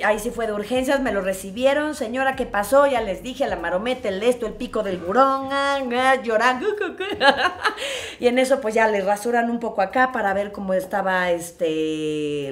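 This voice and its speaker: A woman with a Mexican accent telling a family story to her viewers in a casual, animated way. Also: a little high. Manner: animated, expressive, acts out scenes. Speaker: vlogger.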